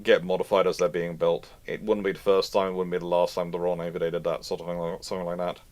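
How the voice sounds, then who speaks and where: A man's voice: deep voice, little pitch movement, quick pace, darkish tone. A British man hosting a live question-and-answer stream, giving informal, discursive and opinionated expert commentary with repeated points. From United Kingdom.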